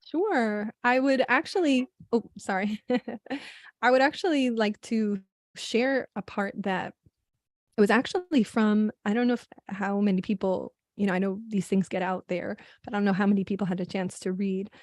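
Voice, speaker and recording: A woman sharing her thoughts on a video call in a casual discussion, pausing often with fillers and restarts. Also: medium pitch, dry recording, clean studio sound. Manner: hesitant, with many fillers and restarts.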